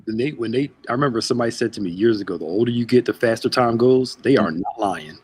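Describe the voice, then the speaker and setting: A man's voice: mid-range voice, animated, fast talker, darkish tone, slightly rough. A man in his thirties, a pastor hosting a casual live group chat in a playful, teasing way. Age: 30s. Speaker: host, pastor.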